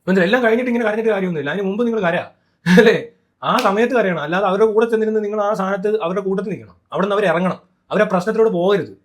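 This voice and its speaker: A man's voice: sits high, very fast. A man giving blunt, heated social commentary, swearing freely.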